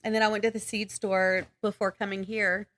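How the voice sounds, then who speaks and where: A woman podcast co-host talks casually, as if catching up with a friend. Her pitch sits in a middle range for a woman, and her manner is teasing and giggly. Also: flat delivery, brisk, a bit bright.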